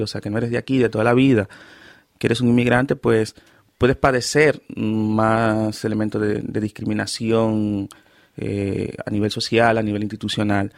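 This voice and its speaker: A man speaking as a radio guest in a casual, halting way, often restarting his phrases. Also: lowish voice, gravelly, no room sound, studio quality. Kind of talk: casual radio interview answer.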